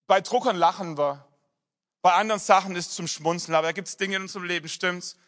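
A middle-aged male pastor preaching a sermon, telling personal stories and dropping to soft emphasis. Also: high voice, fairly even intonation, a little fast.

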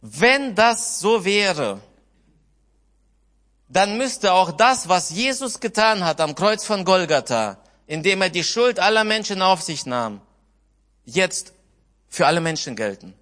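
A man's voice: sits high, sing-song, slow, a bit bright, in a large hall. A man preaching a sermon, earnestly retelling scripture and putting questions to his listeners. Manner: earnest, retells scripture with quoted dialogue, asks the congregation questions.

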